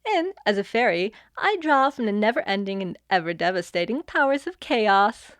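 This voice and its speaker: A woman's voice: mid-range voice, very animated, moderate pace, no room sound, lightly acted. A woman playing a breezy, sardonic fairy in an audio comedy drama. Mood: confident, instructive. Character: cocky sarcastic female fairy wielding chaos magic. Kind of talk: audio fiction comedy acting.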